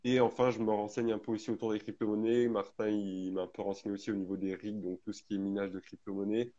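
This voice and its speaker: Low-voiced man hosting a live chat. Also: quick pace. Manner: relaxed, explanatory, many fillers. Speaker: live stream host. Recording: lo-fi online audio.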